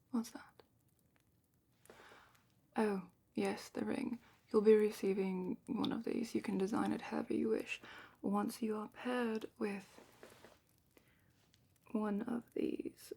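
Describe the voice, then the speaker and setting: Woman acting as a calm dragon keeper, husky whisper, creaky edges, gently wry, slow deliberate phrasing, close-miked fantasy ASMR roleplay. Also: on the high side, exaggerated voice. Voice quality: breathy whisper and soft-spoken murmur. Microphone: close ASMR microphone.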